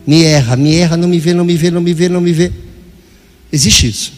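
An older man preaching a sermon as pastor, dramatic, acting out voices and sometimes shouting. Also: fairly high pitch, fast talker, long reverb tail, faint music behind.

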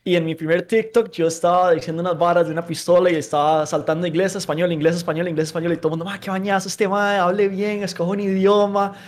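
A young man from the United States, a native English speaker, tells a story in a relaxed, slangy way. His voice is a little high, and his pace is easygoing. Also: fast talker, hardly any pauses. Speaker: content creator guest. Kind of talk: casual storytelling.

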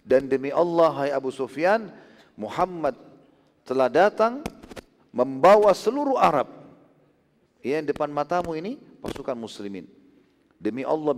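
A man voicing a grave, honest male warrior in a retold story, speaking lower and more quietly than his narration. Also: expressive, normal speed, pauses often, close to an everyday voice. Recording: long hall reverb.

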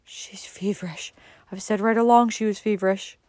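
A woman's voice: high voice, lively intonation, moderate pace, darkish tone, no echo, voice pushed up. A woman voicing a worried, gossipy female cousin in a storybook, moaning and whimpering her words.

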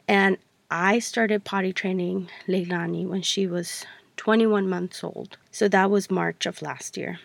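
Chatty woman with a gravelly, dry voice. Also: fairly low pitch, dry recording. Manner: chatty, rambling, self-correcting with many fillers. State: stuffy-voiced from allergies. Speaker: podcast host. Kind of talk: casual solo podcast talk.

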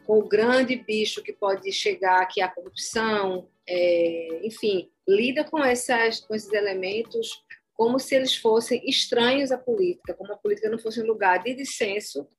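A woman from Pernambuco, a journalist and academic, answering interview questions in a measured, analytical way. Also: mid-range voice, slightly rough, soft background music. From Pernambuco, Northeast Brazil.

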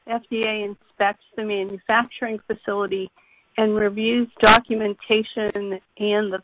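A woman executive giving measured, careful, formal answers to analysts on an earnings call. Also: medium pitch. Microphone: conference call line. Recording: dull lo-fi conference call with hiss.

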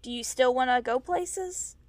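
A woman's voice: high-pitched, unhurried, darkish tone, no echo. A woman acting in an audio drama as a wistful, frank young mer-person who is hurting and on the run. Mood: vulnerable, wry. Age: young adult.

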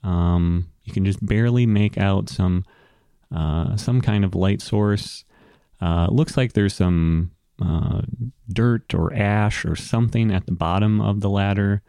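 A man with a low, mellow voice runs a tabletop game. He narrates slowly and off the cuff, pausing to search for words, in a dry close sound. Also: creaky, smooth, no echo. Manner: hesitant, pausing to find words. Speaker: game master and show host. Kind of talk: improvised tabletop game narration and casual chat.

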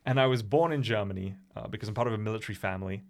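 A man's voice: lowish voice, racing. Rambling young English man, nervous. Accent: English, somewhat Americanized. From England. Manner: meandering, nervous, many restarts and fillers. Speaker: podcast host and streamer. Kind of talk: casual solo podcast chat.

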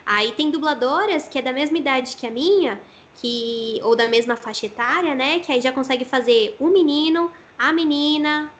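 A woman's voice: sits high, moderate pace, hardly any pauses, slight background noise. A Brazilian woman who works as a voice actress, explaining her craft thoughtfully in an interview. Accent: Brazilian Portuguese.

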